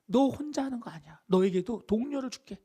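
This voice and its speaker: A man voicing God as a gentle, comforting presence, speaking softly and partly in a whisper within a sermon. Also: very high voice, lively intonation, a little fast, slightly rough, pitched above the performer's own voice, full character voice. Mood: reassuring. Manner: soft and tender, partly whispered.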